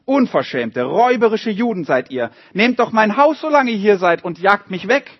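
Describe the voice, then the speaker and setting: A man's voice: high voice, big pitch swings, moderate pace, dry recording, muffled recording, pitched above the performer's own voice. A man doing a furious bitter old woman. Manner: shouting angrily, then quiet and resigned.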